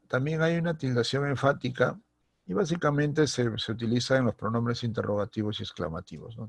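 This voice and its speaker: A man's voice: medium pitch, gravelly, husky, no room sound. A man teaching a recorded secondary-school grammar lesson with a Peruvian Spanish accent, explaining step by step and checking in with a constant "listo?".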